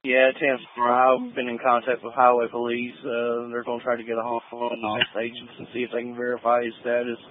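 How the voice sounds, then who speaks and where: A man's voice: mid-range voice, monotone, brisk, hardly any pauses. A man, a patrol officer calling in to dispatch in clipped radio codes, heard over a two-way police radio. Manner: clipped radio codes, spells plates phonetically. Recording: tinny radio transmission with faint static.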